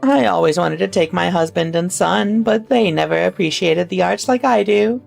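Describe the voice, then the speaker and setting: A woman's voice: lowish voice, normal speed, vocal fry, darkish tone, faint music behind. A woman voicing an elderly, courteous English noblewoman in a genteel, effusive old-lady voice as she reads a story. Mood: wistful, warm. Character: elderly English noblewoman, fond, courteous, passionate about opera.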